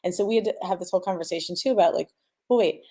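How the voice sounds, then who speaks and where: A woman's voice: fairly low pitch, racing, warm tone, slightly rough. A woman explaining her craft in casual panel talk, informal and thinking aloud with rhetorical questions. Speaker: sound designer on a panel.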